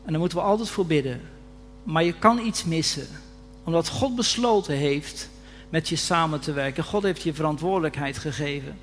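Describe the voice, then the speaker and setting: A man's voice: fairly high pitch, normal speed, a bit bright. A man preaching a sermon earnestly, often rising to fervent emphasis, recorded in a reverberant church hall. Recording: reverberant hall with faint hum.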